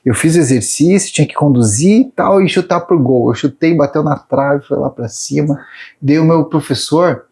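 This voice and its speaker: A man's voice: fairly high pitch, normal speed, vocal fry, darkish tone. A man hosting a podcast, telling funny stories and laughing often between questions. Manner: jokey storyteller, laughs often. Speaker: podcast host. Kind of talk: casual interview chat.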